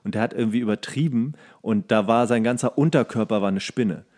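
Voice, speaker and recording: Man chatting informally, mid-pitched voice. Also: fairly quick, darkish tone. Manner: informal, reminiscing, asks questions. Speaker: podcast co-host. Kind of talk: casual chat.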